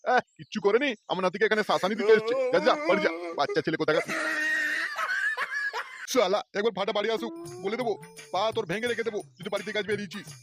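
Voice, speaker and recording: A man acts out a cranky old grandfather from a comedy cartoon. He talks extremely fast in a high-pitched voice, scolding and sarcastic, with music playing behind him. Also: natural voice. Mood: angry scolding. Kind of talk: comic cartoon dialogue.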